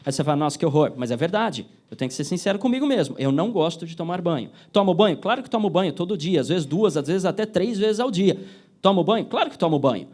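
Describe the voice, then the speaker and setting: A man with a Brazilian Portuguese accent gives a motivational talk to a live group, his voice pitched high for a man. He keeps asking the crowd yes-or-no questions and slips into quick acted-out bits of dialogue. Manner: lively, asks the audience yes-or-no questions, acts out little scenes. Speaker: speaker giving a motivational talk. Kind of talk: interactive motivational lecture.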